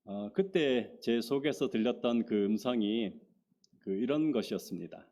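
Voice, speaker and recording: A man, a missionary pastor, preaching a sermon in an earnest storytelling manner with frequent pauses and fillers. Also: animated, dark tone. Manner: acts out his own prayers with rising pitch and emphasis. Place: church sanctuary.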